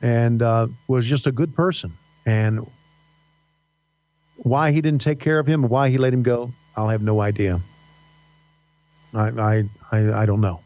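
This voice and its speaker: Man, faint southern twang, halting with fillers, dry dull recording. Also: mid-range voice, fairly even intonation, a little mellow, no room sound. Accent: slight Southern American. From Virginia mountains. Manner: halting, many fillers and restarts. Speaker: podcast guest, wrestling announcer. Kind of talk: casual interview storytelling. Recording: dull dry podcast audio.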